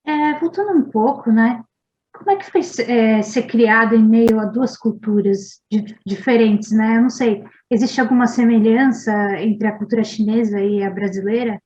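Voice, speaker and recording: A woman interviewer asking questions and softening them with tag questions. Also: a little high, moderate pace, muffled recording.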